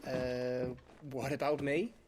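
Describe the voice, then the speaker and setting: An actor playing a cheeky, eager young scout and loyal sidekick in a video game. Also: male voice, medium pitch, level tone, slow, a little mellow, slight background noise, natural voice. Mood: earnest. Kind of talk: cinematic game cutscene acting.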